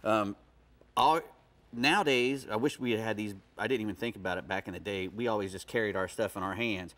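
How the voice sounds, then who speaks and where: On a TV studio set, a middle-aged fishing expert appears as a guest, giving tips in a casual chat. His voice is fairly low, a bit bright and a little fast, and he's folksy and rambling, often restarting his sentences.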